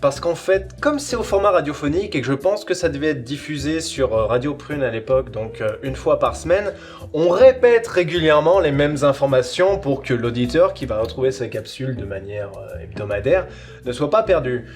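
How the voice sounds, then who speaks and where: A man's voice: mid-range voice, expressive, a little fast, darkish tone, soft background music. A man presenting a casual review of an audio series, rambling and repeating words for emphasis. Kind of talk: casual chronicle, semi-improvised.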